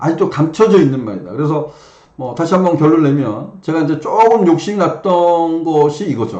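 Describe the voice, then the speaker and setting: A man speaks with lively intonation and a fairly high pitch. Audible room echo surrounds his voice. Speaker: horse racing tipster. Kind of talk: solo racing preview broadcast.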